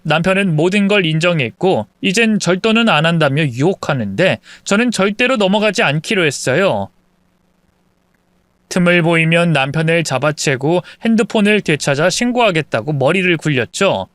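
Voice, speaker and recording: A narrator reading a dramatic true-story account in a steady, scripted way. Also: mid-range voice, moderate pace, no echo.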